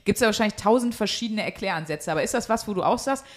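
A woman's voice: mid-range voice, expressive, fast. A woman hosting a podcast, talking in a casual, colloquial and playful way. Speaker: podcast host. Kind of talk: casual chat.

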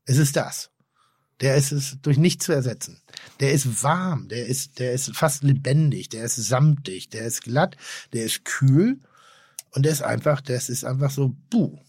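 A man's voice: mid-range voice, animated, measured pace, a little mellow, husky, no echo, studio quality. A man co-hosting a casual podcast, rambling and effusive, often trailing off and restarting his sentences.

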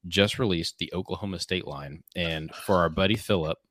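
A man co-hosting a casual podcast, talking in a halting way with many fillers and restarts. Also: deep voice, fairly bright tone, no room sound, studio quality. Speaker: podcast co-host. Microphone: podcast microphone.

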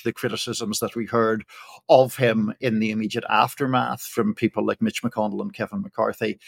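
A man with a Northern Irish accent weighs in as a political columnist on a reporters' panel. His voice has a gravelly, creaky edge. He talks in a measured, analytical way and often restarts his sentences mid-thought. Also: mid-range voice, fairly bright tone. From Northern Ireland. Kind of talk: panel discussion commentary.

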